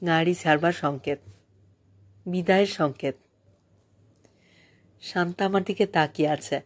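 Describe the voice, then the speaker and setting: Woman narrator, low voice, very slow, measured, reflective, audiobook reading. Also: darkish tone. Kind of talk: literary storytelling, first-person narration.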